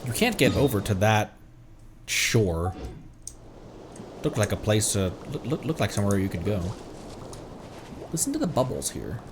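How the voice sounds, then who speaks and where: A man's voice: on the low side, very animated, normal speed, pauses often, noisy background. A man giving casual live game commentary as a streamer, with murmured asides that trail off mid-thought. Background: game music.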